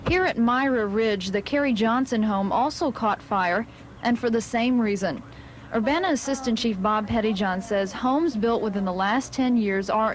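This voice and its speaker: A woman with an American accent reading a scripted local newscast in a measured, formal anchor's delivery. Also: fairly high pitch. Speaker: TV news anchor. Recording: old TV broadcast with background noise.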